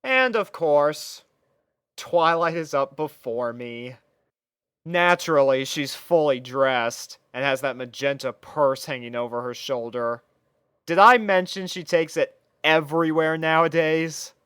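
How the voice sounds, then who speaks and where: A man's voice: on the high side, measured pace, fairly bright tone, clear, resonant tone, no echo, studio quality. A man reading scripted first-person story narration as the narrator.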